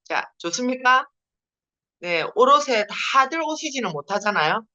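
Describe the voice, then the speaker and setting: A woman's voice: a little high, very animated, normal speed, pushed and bright. A woman from Busan with a strong Gyeongsang accent, giving a chatty seminar talk over a video call and laughing often. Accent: Busan Gyeongsang dialect. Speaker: network marketing leader giving a seminar. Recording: dull lo-fi video call audio.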